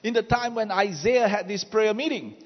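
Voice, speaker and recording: High-pitched male preacher with Southeast Asian accent. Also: normal speed. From Southeast Asia. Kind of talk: sermon delivered in short phrases for an interpreter. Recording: muffled, long hall reverb.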